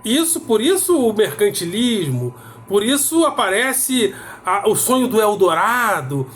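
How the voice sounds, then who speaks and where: A man lecturing on philosophy, measured and emphatic, repeating key words for weight. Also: sits high, very animated, fairly bright tone, soft background music. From South America. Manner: measured, emphatic repetition with pauses. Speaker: philosophy teacher. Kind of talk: explanatory lecture.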